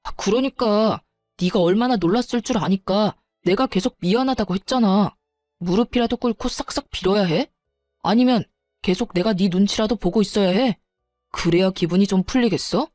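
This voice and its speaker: A woman's voice: mid-range voice, a little mellow, dry recording, faint music behind, lightly acted. A woman voicing a defensive, irritated young man who answers back sulkily and blames his partner. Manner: sulky, blaming, slows down when annoyed.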